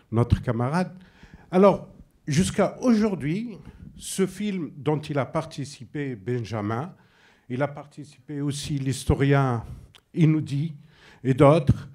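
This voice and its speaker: Algerian filmmaker, Arabic native, at a debate, slow and emphatic, slightly high-pitched. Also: male voice, mellow. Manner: emphatic, halting, with abrupt drops. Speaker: audience member, filmmaker. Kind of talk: public debate question from the floor.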